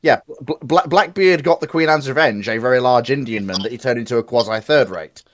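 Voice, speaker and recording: A man's voice: mid-range voice, fairly quick. A man on a discussion panel, chatting casually and explaining history.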